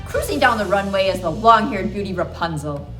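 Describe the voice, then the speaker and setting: A woman playing an earnest, excitable Red Riding Hood, announcing a fairy tale fashion show in a theatrical skit style. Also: medium pitch, fairly quick. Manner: theatrical, animated. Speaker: co-host. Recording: roomy echo, music behind.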